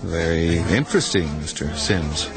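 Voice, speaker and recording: An actor playing an anxious male fugitive from the future, nervous and quick to anger. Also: low-pitched, lively intonation, over music. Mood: guarded. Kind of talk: 1980s radio drama acting.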